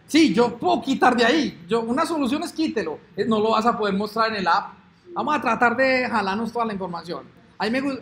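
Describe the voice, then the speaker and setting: A man's voice: sits high, a bit bright, a little hiss or hum. A man teaching a programming lesson, chatting and thinking aloud as he works through code on screen. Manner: chatty, thinks aloud, hums "ta ta ta" while waiting. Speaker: programming instructor. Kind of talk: screen-recorded coding lesson.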